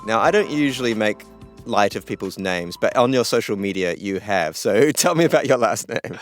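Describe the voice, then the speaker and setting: A man's voice: fairly low pitch, expressive, normal speed, faint music behind. A man hosting an economics podcast, explaining and asking questions in a curious, friendly way. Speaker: podcast host. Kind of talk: conversational explainer.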